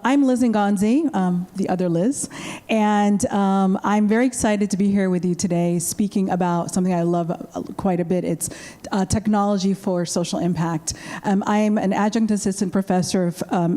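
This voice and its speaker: A woman who teaches at a university, introducing herself on a conference panel in a gracious way with frequent filler words. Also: medium pitch. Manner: warm, gracious, with many fillers. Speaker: panelist, adjunct professor.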